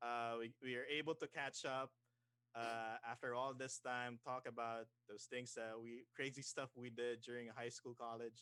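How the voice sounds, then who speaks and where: A man with a non-native accent talks at a moderate pace in a monotone, flat intonation, his tone bright and sharp, the sound dry and close with no echo. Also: medium pitch for a man. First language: not English. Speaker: adventure writer, game designer. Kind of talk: casual interview on a live stream. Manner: halting, many fillers.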